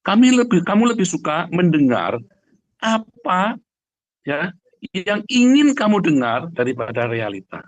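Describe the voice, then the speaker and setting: A man preaching in a conversational, emphatic way, repeating phrases for emphasis and addressing listeners directly, with a husky voice. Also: high voice, very animated, a little slow, no room sound. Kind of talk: livestream sermon, conversational and emphatic.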